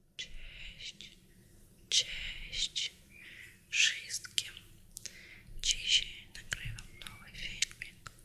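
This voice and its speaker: A woman whispers very slowly with a non-native accent, leaving long, frequent pauses. Noticeable background noise is present. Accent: non-native Polish, still learning. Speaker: ASMR creator. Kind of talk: ASMR casual talk about books. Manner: whispered, soft-spoken.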